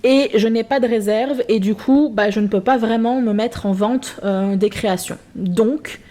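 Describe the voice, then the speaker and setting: A woman's voice: fairly high pitch, moderate pace, mellow. A woman chatting casually to camera in her home craft room, rambling with many hesitations and a self-mocking tone. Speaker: craft vlogger. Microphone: built-in camera mic.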